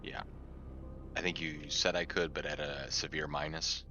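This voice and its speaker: A man's voice: very deep voice, level tone, normal speed, over music. A man chatting casually as a player in a tabletop game.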